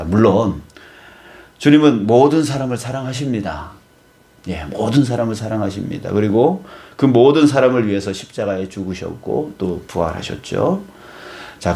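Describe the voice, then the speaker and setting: A male pastor from Gangwon Province, Korea, delivers a sermon with a fairly low voice. He tells it like a story and keeps opening his sentences with "자,". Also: gravelly, warm tone. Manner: storytelling, often starts with "자,".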